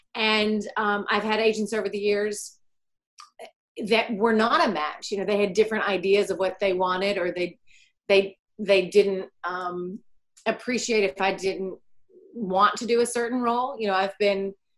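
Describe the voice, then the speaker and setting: A woman with an American accent speaks in a normal speaking voice at a medium pitch. Her intonation is fairly even and her pace moderate. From US South, rural Tennessee. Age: 40s. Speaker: actress and producer. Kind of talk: interview conversation.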